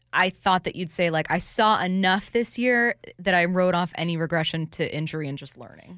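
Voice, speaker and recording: A woman's fairly low voice, upbeat in tone, fairly quick with hardly any pauses, ordinary pitch variation and big swings in loudness. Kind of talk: radio sports talk show patter. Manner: upbeat, quick, joking banter with teasing and laughs; animated promo-style teasers and sign-offs.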